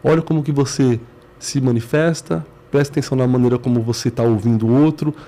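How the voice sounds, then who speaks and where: A Brazilian-accented man, guesting in an interview as a business management CEO, earnestly explains himself through short, stacked phrases. His voice is mid-range and mellow, his intonation fairly even, and his pace a little fast.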